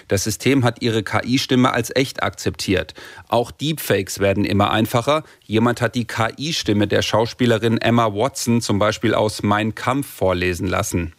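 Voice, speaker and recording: A man's voice: mid-range voice, no room sound. A man reporting a radio news feature in a plain, matter-of-fact, lightly wry way.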